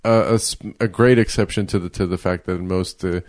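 A man's voice: low-pitched, fairly even intonation, a little fast, darkish tone. A man hosting a comedy podcast, chatting casually and teasing his guest, laughing often. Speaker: podcast host. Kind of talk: casual chat.

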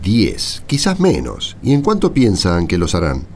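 Man acting an animated, encouraging pilgrim. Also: sits low, a little slow, slight background noise, exaggerated voice. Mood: persuasive. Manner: coaxing, encouraging. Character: friendly, persuasive male stranger cheering on weary pilgrims. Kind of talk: radio play acting.

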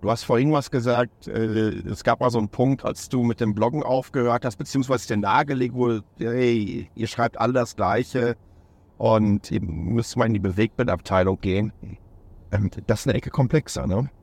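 A man's voice: mid-range voice, moderate pace, vocal fry, darkish tone. A man hosting a casual interview, asking long, winding questions and giving short agreeing replies. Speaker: interviewer and host.

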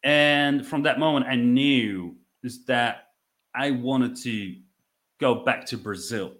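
Dutch man, reflective and halting. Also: mid-range voice, a bit bright. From Netherlands. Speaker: podcast guest, business owner. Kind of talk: conversational interview storytelling.

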